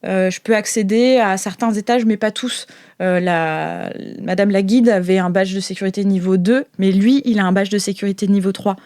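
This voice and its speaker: A calm, helpful male ally in a tabletop game, played by a woman. He explains in a matter-of-fact manner, at a medium pitch. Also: moderate pace, natural voice. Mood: calm explaining.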